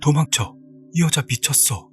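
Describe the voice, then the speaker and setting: A man voicing a terrified, furious young man shouting at a ghost in a horror story. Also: mid-range voice, brisk, soft background music, lightly acted. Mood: panicked. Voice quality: shouting, panicked.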